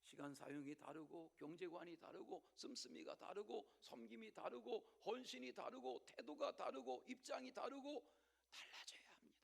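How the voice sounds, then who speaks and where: A male pastor delivering a Sunday sermon at a church service. He tells the story dramatically, swinging between loud declarations and hushed whispers, and makes repeated direct appeals to the congregation. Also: high voice, expressive, normal speed, vocal fry, husky.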